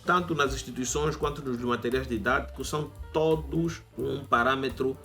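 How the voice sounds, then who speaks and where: A man's voice: mid-range voice, moderate pace, pushed and bright, soft background music. A young Angolan man with an Angolan Portuguese accent, hosting a channel and explaining casually with asides to viewers. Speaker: YouTube channel host. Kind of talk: casual educational monologue.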